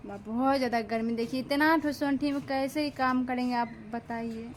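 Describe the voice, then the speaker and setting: ऊँची आवाज़ वाली बिहारी गाँव की व्लॉगर महिला. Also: female voice, high-pitched, steady tone, a little fast, slight background noise. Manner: chatty, addresses viewers as friends. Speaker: vlogger. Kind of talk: casual vlog narration. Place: rural farmyard outdoors.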